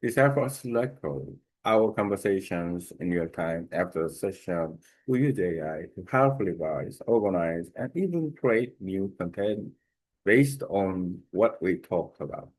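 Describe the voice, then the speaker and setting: Man, Korean accent, native Korean speaker, fairly low voice, reading a prepared text aloud, careful and halting, filler pauses. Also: expressive, a little mellow, low-quality recording. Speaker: language learner sharing a study method.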